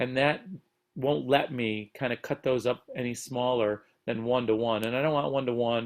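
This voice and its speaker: With a quiet background behind him, a man speaks at a moderate pace, his medium pitch and intonation fairly even. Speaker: school music teacher. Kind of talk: tutorial. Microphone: webcam.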